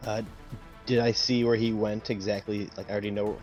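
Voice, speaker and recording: A man's voice: on the low side, little pitch movement, fairly quick, a little mellow, soft background music. A man playing a tabletop game, describing his moves in casual chat through a dull lo-fi mic.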